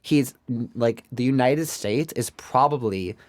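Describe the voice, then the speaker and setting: A man's voice: medium pitch, measured pace, no echo. A man from Canada chatting on a live podcast, rambling and stammering, swearing freely as he makes his points. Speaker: podcast co-host. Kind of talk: casual live podcast chat.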